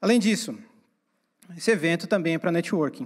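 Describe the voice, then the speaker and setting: A man speaks with lively intonation. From Brazil, interior of São Paulo state. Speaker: agile specialist, conference speaker. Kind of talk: conference talk. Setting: stage with audience.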